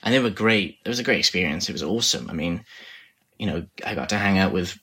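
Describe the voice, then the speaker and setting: A man in his thirties from Wales, with a softened Welsh accent, talking as a guest in a casual interview, hesitant and full of fillers. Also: sits low, animated, quick pace, slightly rough. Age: 30s. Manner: hesitant, many fillers and restarts. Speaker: guest filmmaker.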